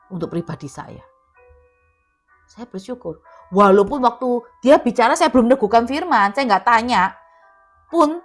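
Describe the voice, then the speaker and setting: Woman preacher, emphatic sermon delivery, mid-pitched, soft music under her voice. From Indonesia. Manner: emphatic, repeats key words, acts out quoted dialogue. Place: online prayer meeting, remote.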